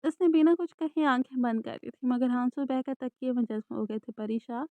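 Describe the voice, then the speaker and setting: A woman narrating a romance novel in a soft, even storytelling manner. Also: sits high, dry recording. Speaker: audiobook narrator. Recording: dry, tinny phone-like sound.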